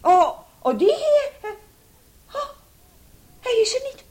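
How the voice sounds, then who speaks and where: An indignant lady of the house in a radio play, questioning and exclaiming. Her high voice swings widely in pitch and takes its time. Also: big pitch swings, slow, darkish tone, exaggerated voice. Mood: flustered. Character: indignant woman flat owner confronting burglars.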